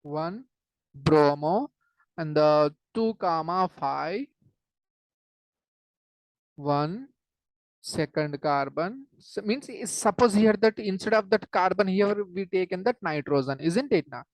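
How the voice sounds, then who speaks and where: A woman teacher with a South Asian accent and a lowish voice explains things step by step in a dry, close-sounding recording. She repeats key phrases and often stops to check with short questions. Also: animated, takes it slowly, pauses often, a little mellow, no room sound, low-quality recording. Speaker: chemistry teacher.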